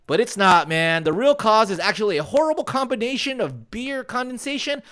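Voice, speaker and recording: A young man co-hosting a casual comedy podcast, animated and profane, laughing as he reads odd news stories. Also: high-pitched, fairly quick. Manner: animated, profane, laughing, puts on a mock British voice. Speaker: podcast co-host.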